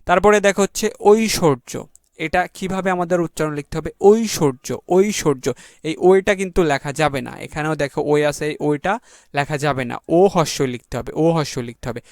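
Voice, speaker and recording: Slow letter-by-letter Bangladeshi teacher, man. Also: a little high, dry recording, clean studio sound. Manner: spells words out slowly letter by letter, drawing out key words. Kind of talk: exam revision lesson.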